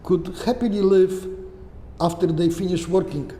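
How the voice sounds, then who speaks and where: An older Polish-accented man answers questions in a halting, searching way, checking in with "right?" as he goes. His voice sits a little high, yet it sounds soft and mellow. The room rings with a long reverb over a faint hiss. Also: fairly even intonation. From Poland. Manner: halting, often tagging "okay?" and "right?". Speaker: guest. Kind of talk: conversational interview answers.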